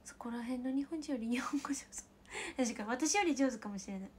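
A woman with a Kansai accent chatting casually with livestream viewers as the host, giggling often and slipping into soft whispered asides. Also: on the high side, a little fast, slight background noise. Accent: Kansai Japanese.

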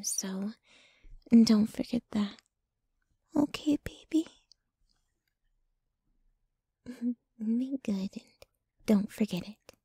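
A woman acts out a possessive young yandere girlfriend for an intimate ASMR audio drama. Her voice is soft, mellow and breathy, often slipping into whispers, recorded very close and dry. She coos and clings to the listener with a sweet, jealous menace. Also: on the high side, dry recording, heavily acted. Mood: sweetly possessive. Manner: slow, cooing, clinging to the listener.

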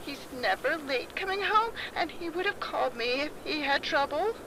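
An actress playing a distraught wife in an audio drama, speaking tearfully and with worry. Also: female voice, high voice, lively intonation, normal speed, background noise. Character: distraught, worried wife of missing man.

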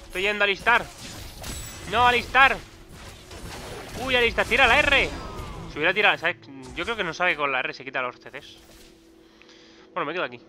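A young man with a Peninsular Spanish accent giving excitable, swearing commentary over his own gameplay. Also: high-pitched, a little fast, pauses often, slight background noise. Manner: excitable, swearing, frequent loud outbursts. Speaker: gaming YouTuber.

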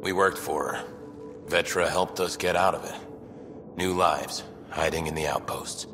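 A man's voice: a bass voice, steady tone, a little slow, music in the background. A man playing a weary, grateful settler and former smuggler in a video game, speaking in an earnest, subdued way. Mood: earnest, resigned. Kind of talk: video game cutscene acting.

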